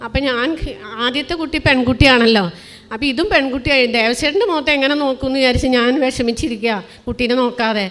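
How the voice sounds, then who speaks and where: A middle-aged woman from Kerala giving a spoken personal testimony, telling it plainly and earnestly, with many pauses and restarts. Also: high-pitched, fairly bright tone. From Kerala, India. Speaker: testimony speaker.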